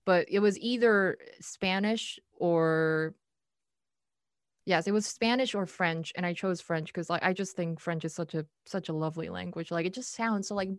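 Woman, Korean native speaker, podcast host, chatty; low voice, dry recording. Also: normal speed, no room sound. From South Korea. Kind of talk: casual chat.

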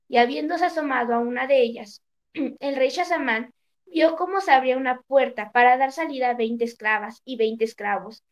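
A woman narrating an old storybook tale in a measured, even reading. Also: fairly high pitch.

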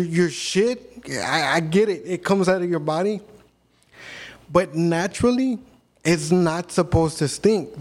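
A man's voice: a little high, a little mellow. A man in his thirties, a podcast guest, telling blunt, profane stories in casual chat. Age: 30s.

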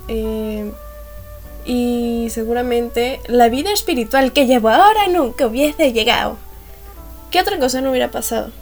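Gravelly young Mexican woman podcaster. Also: a little high. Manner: chatty and slangy, acts out quotes, laughs at her own jokes. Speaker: podcast host. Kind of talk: casual storytelling monologue.

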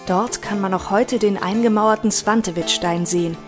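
Eine Frau spricht als Erzählerin einen vorbereiteten dokumentarischen Text. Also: female voice, medium pitch, normal speed, over music. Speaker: narrator. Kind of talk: scripted documentary narration.

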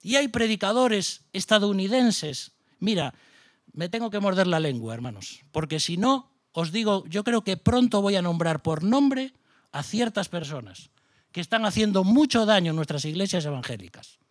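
A man's voice: sits high, lively intonation, normal speed, no room sound, studio quality. A middle-aged man from Spain preaching a sermon with a Spanish accent, passionate, firing off rhetorical questions and mocking asides. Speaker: pastor.

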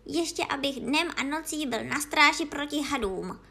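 A woman voicing a suspicious, complaining male pigeon in a storybook reading, with a lowered, gruff, scolding voice. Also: lively intonation, fairly bright tone. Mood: grumbling.

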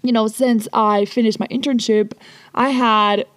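A woman's voice: fairly high pitch, fairly even intonation, a little slow, no room sound. A woman from Paris, hosting a podcast in a casual, rambling way with easy swearing, recorded inside a small clothes closet. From Paris, France. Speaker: podcast host. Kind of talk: casual solo podcast chat. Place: small closet packed with dresses and magazines.

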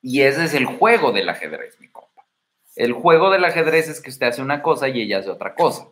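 A man's voice: mid-range voice, big pitch swings, fairly quick, a bit bright, roomy sound. A man in his thirties with a Mexican Spanish accent, giving dating advice in slangy, casual livestream talk and telling stories to his viewers. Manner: slangy, storytelling, addresses viewer as buddy.

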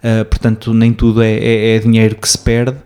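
A man's voice: lowish voice, completely flat delivery, moderate pace, darkish tone. A man from the Azores with a European Portuguese accent, chatting casually in a reflective, slightly hesitant way. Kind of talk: casual chat.

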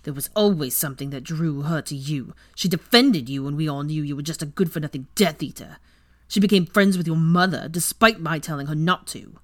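A woman's voice: deep voice, a little fast. Woman voicing a snarling, hateful bound man. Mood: bitter. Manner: angry, spitting, vehement.

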